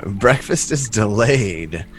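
A man's voice: lowish voice, animated, takes it slowly, soft background music. A man running a tabletop role-playing game as game master, with rambling narration full of fillers.

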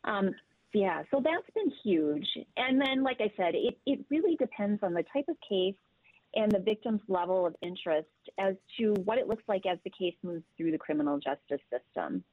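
Mulher explicativa em linha abafada. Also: female voice, mid-range voice, animated, no echo. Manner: measured, informative, with fillers. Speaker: victim services professional guest. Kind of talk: explanatory interview answer. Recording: dry tinny call audio.

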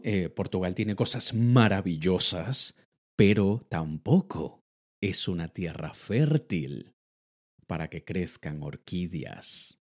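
A man talking straight to camera in a personal motivational monologue, emphatic and animated, swinging between loud outbursts and quiet asides. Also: lowish voice. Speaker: motivational speaker.

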